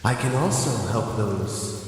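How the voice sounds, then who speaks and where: Man as a slow, echoing mysterious female spirit. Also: medium pitch, animated, slight background noise, close to an everyday voice. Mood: coaxing, sinister. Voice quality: sweet but rough. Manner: slow, lilting, drawn-out phrases. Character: mysterious female spirit, sweet but rough, coaxing. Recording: cavernous echo with long reverb.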